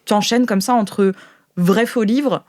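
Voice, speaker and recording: A woman's voice: mid-range voice, slow pace, a little mellow. A woman narrating an improvised tabletop game as game master, in an informal, descriptive and hesitant way.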